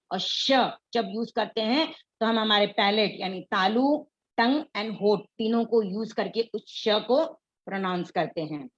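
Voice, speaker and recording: A woman's voice: fairly high pitch, muffled recording. A woman teaching an online class on pronunciation, explaining patiently and mixing English words into her Hindi.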